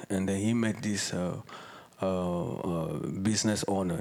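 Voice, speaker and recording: A man's voice over noticeable background noise. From Cameroon (Douala). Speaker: solar company owner. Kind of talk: casual chat.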